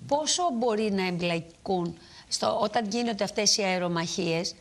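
A woman co-hosting a talk show, asking a question hesitantly while searching for words. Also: mid-range voice.

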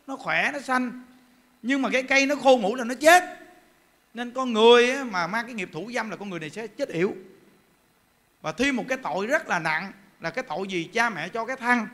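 A male Buddhist preacher gives an emphatic, animated sermon. His voice sits very high and sounds bright and forceful. He drives his points home with rhetorical questions.

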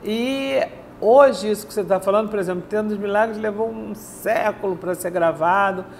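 An older woman with a medium-pitched voice chats casually with a guest in a bright TV studio, where both are seated. Her storytelling is anecdotal and drawn out, full of repeated phrases, recorded on a lapel mic with slight background noise.

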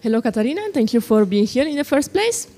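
A woman's voice: on the high side, big pitch swings, quick pace, dark tone. A young woman in her twenties interviews a director at a festival lounge. She talks hesitantly, filling gaps with uh and um, into a handheld microphone. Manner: hesitant, many fillers. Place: festival lounge set, indoors. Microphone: handheld mic.

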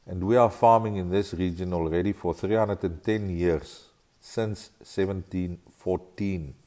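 An older man with a thick Afrikaans accent talks slowly and deliberately, his low, mellow voice searching for English words now and then. He speaks straight to a desk webcam from a home study lined with bookshelves. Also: steady tone. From South Africa. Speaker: farmer vlogger. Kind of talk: talking-to-camera vlog.

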